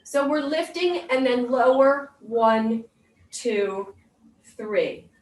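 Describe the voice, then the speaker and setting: A woman's voice: a little high, expressive, very slow. A woman fitness instructor leading an exercise class, giving step-by-step instructions and counted cues. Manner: clear step-by-step cueing. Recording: roomy echo, distant microphone.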